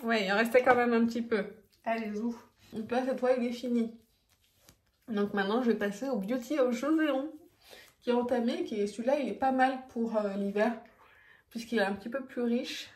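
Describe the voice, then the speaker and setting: A woman's voice: on the high side, normal speed, darkish tone. Chatty woman vlogger in an echoey room. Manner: chatty, with frequent fillers and little laughs. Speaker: beauty vlogger. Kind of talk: casual vlog chat. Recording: echoey room, faint background noise.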